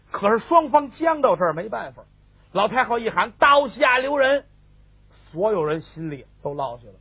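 A man's voice: sits high, breathy edge, dry recording. A male storyteller narrating a traditional tale theatrically, asking and answering his own questions. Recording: tinny phone-band recording.

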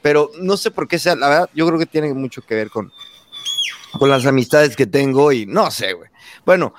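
A Mexican man in his thirties, a podcast host telling his story in a relaxed chat, acting out quoted lines with lively voices. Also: medium pitch, moderate pace, slight background noise. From Mexico, San Luis Potosí. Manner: animated, acts out quoted dialogue, says güey constantly. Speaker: podcast host being interviewed. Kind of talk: casual conversation.

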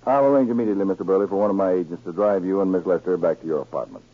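An actor playing a stern, commanding government counterspy chief in a 1940s radio drama, with clipped, deliberate speech. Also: male voice, deep voice. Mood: formal, measured. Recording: scratchy, narrow-band 1940s radio recording.

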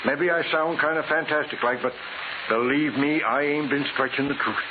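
A man's voice: on the high side, moderate pace, close to an everyday voice. A man playing a folksy country sheriff, tinny old recording. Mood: earnest warning. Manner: folksy drawl with rustic grammar. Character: folksy rural farmer sheriff, plainspoken and wary. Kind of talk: 1940s radio acting. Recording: noisy, hissy, thin 1940s radio recording.

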